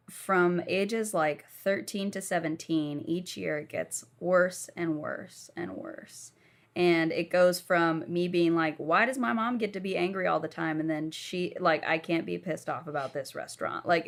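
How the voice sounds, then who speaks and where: A young woman from the southern United States, telling her life story frankly while lying down as a podcast guest. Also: lowish voice.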